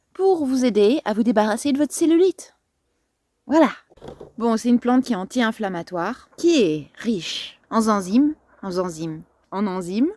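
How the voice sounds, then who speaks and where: A woman's voice: mid-range voice, darkish tone, no room sound, studio quality. A woman, presenting plants in a casual garden vlog, chatty and playful, with many fillers and asides.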